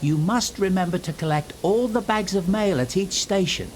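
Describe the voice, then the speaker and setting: A man's voice: high-pitched, normal speed, a little hiss or hum, voice pushed up, close to an everyday voice. A man voicing an earnest, encouraging, helpful little steam engine in a children's storybook. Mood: earnest, explaining.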